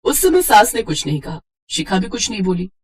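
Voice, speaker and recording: A woman narrating an animated moral storybook in an even storytelling manner. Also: mid-range voice, brisk, slightly rough.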